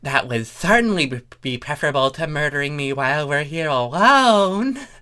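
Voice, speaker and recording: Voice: medium pitch, sing-song, moderate pace, pushed and bright, smooth. A reader voicing a naive, agreeable young male changeling pony in a comic fan fiction reading, earnest and a little hesitant.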